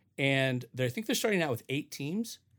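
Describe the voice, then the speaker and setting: On a very clean recording with a silent background, a man with an American accent speaks at a fairly high pitch in an animated tone with lively intonation. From Washington State, US (Puyallup area). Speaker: photographer. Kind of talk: casual chat.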